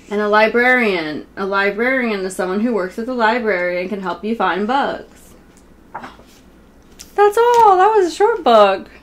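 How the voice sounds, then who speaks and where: A woman in her thirties reading a picture book aloud to children, informally and speaking straight to her young listeners. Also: medium pitch. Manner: informal, self-interrupting, speaks directly to young viewers. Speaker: children's story reader. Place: small room at home, indoors.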